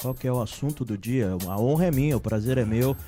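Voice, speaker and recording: A man talks at a fairly quick pace with medium pitch and ordinary pitch variation while music plays in the background. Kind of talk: formal, courteous. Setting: live radio broadcast. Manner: smooth, polished radio-announcer delivery.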